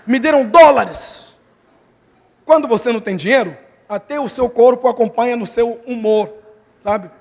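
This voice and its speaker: A missionary preacher telling a personal story in a sermon, acting out the voices of the people in it. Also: male voice, extremely high pitch, moderate pace, vocal fry, long pauses. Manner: animated storytelling, acts out quoted voices. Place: large church hall. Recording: long hall reverb from the church.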